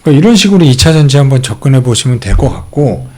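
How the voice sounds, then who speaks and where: A middle-aged man walks through stock charts in a casual, chatty way, leaning on fillers as he goes. His pitch swings freely, rising and falling as he makes each point. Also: expressive, quick pace, darkish tone. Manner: explains charts step by step with many fillers. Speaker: stock channel host. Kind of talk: casual stock market commentary.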